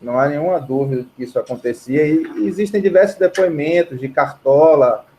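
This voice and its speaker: A man's voice: a little high, brisk. A man from Bahia, telling stories casually as a musician guest in an interview. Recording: clear steady background noise.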